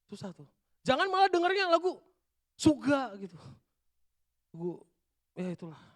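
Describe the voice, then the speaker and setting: A man preaching a lively youth sermon in casual slang, swinging between hushed asides and shouted bursts. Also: extremely high pitch, moderate pace. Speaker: youth pastor. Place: church hall.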